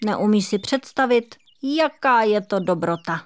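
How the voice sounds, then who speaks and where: Female reader as a warm-hearted squirrel in a storybook; gentle, encouraging, motherly. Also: medium pitch, expressive, lightly acted. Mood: cheerful. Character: cheerful, kind rust-red female squirrel. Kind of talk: children's audiobook reading.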